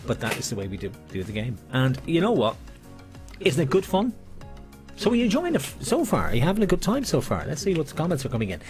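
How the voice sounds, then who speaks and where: A man's voice: a little high, wildly swooping pitch, fast, a little mellow. Guy calling bingo, chatty and jokey, really up and down voice, bit of music behind him. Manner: chatty, jokey, repeats himself. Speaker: bingo caller and host. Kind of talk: lively bingo calling with playful rhyming number nicknames, chatting to online players.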